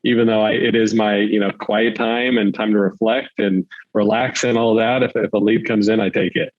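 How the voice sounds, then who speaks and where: A man's voice: lowish voice, steady tone, normal speed, no room sound. Man in casual chat, slightly dull audio. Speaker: podcast co-host, real estate agent.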